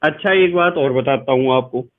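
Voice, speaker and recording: A man's voice: medium pitch, normal speed. A male chemistry teacher giving a patient lecture, repeating key points and quizzing his students. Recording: tinny lo-fi sound.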